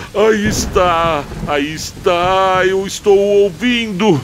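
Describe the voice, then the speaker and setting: A man's put-on character voice, high-pitched and shaky, very slow, with clear background noise. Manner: stammering, trembling, fearful.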